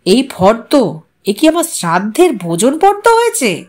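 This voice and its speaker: A woman acts out a stern husband in an audio story. The voice is high for the part and swings widely in pitch. The delivery is curt, angry and laced with sarcasm. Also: huge pitch swings, a little slow, exaggerated voice. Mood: suppressed anger. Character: stern, bitterly sarcastic husband, short of money. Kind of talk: dramatised audio story reading.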